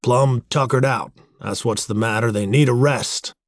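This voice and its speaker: A man's voice: mid-range voice, steady tone, unhurried, dry recording, clean studio sound, natural voice. A man voicing a wry, plainspoken frontier onlooker in a storybook, with a folksy, rustic manner. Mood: blunt.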